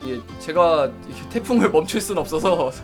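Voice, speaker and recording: A man's voice: on the high side, expressive, brisk, faint music behind. A man streaming live, reasoning aloud about reviewing novels, often stopping to correct himself and answer chat. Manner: reads and answers viewer chat; says he doesn't use a dialect.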